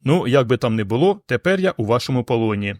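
A man voicing a weak, dazed young astronaut who talks slowly and faintly in an audiobook. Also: medium pitch, sing-song, a little mellow, no room sound, studio quality, lightly acted. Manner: slow, faint.

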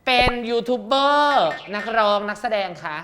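A woman's voice: medium pitch, normal speed, noisy background. A woman hosting a comedic guessing-game show, brash and teasing, swearing freely and shrieking with laughter. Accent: Thai. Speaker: host.

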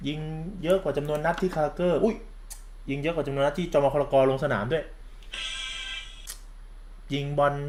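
A man's voice: on the high side, a little hiss or hum. A campy man gives a sarcastic, crude-mouthed football commentary rant, calling himself big sister. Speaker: football vlogger.

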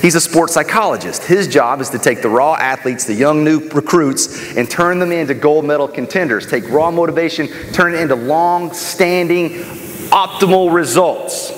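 A man's voice: fairly high pitch, moderate pace. A middle-aged American man giving a motivational keynote, telling stories in an emphatic, dramatic and conversational way. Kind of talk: animated stage storytelling. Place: large stage in an auditorium, indoors. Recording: echoey hall, noticeable background noise.

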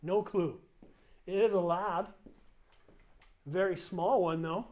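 A middle-aged man casually talking viewers through an abandoned school as he walks, calling them guys in low-key asides, on a handheld camera mic. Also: steady tone, slow pace, a little mellow. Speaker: urban explorer vlogger. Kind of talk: casual walkthrough commentary. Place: empty abandoned school, large indoor halls and rooms.

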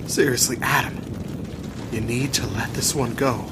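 A man's voice: unhurried, lightly acted. An actor playing an alarmed, superstitious male companion in an audio drama, urgent and pleading in a colloquial way. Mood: fearful warning. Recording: rumbling background noise.

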